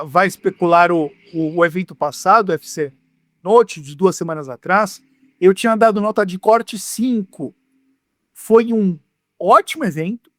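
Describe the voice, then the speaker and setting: A Brazilian man hosting a lively sports podcast in a playful, theatrical way, his voice rough from being sick. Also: high voice, no echo, studio quality. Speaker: podcast host.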